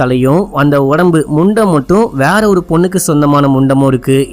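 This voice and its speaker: Noticeable background noise surrounds this recording. A man speaks with fairly high pitch and ordinary pitch variation. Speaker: movie explainer voice-over narrator. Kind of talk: movie story explanation voice-over, casual talk to camera. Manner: chatty, friendly.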